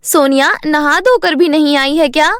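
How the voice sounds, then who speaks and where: Woman playing a haughty, shrill-pitched snobbish schoolgirl. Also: normal speed, fairly bright tone, dry recording, studio quality. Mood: taunting. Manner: taunting, haughty. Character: mean, snobbish rich schoolgirl who mocks the poor.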